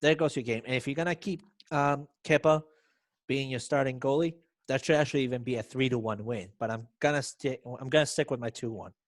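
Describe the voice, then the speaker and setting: A man's voice: medium pitch, fairly quick, no room sound, clean studio sound. A man co-hosting a podcast, giving confident, opinionated football predictions. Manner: assertive, opinionated. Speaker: podcast co-host. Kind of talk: casual sports chat.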